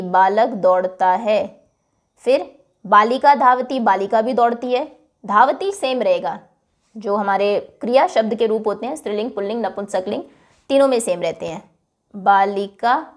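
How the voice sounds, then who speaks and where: Her voice sits on the high side as this woman teacher works through a classroom lesson. She repeats every word patiently, then explains it, slipping English words in along the way.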